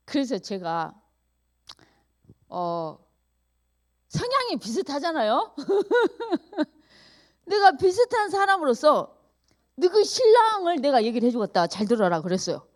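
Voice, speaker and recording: A middle-aged woman tells stories in a church sermon. Her voice sits high and swoops widely. She laughs often and acts out both sides of each exchange. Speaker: pastor's wife giving a church message. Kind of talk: storytelling sermon. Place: church service.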